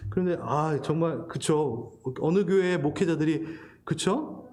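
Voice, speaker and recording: A man's voice: a little high, unhurried, darkish tone. A middle-aged male pastor giving a sermon, laughing and emotional while telling a personal story, then preaching earnestly.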